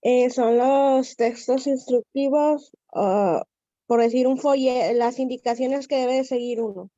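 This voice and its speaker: Woman student, high but mellow voice, dry muffled call. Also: unhurried, no room sound. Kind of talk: answering in online class. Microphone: video call.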